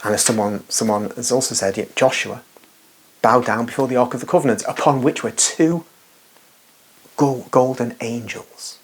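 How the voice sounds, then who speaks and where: A man's voice: mid-range voice, normal speed, slightly rough. A man giving an unscripted, rambling religious monologue as a Catholic commentator, emphatic and full of asides and restarts.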